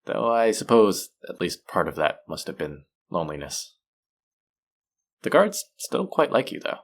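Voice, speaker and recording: A man playing a suave, manipulative supervillain in an intimate audio roleplay, measured and teasing, softly menacing yet tender toward his captive. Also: wildly swooping pitch, full character voice. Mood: amused, soothing. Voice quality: low, creaky voice.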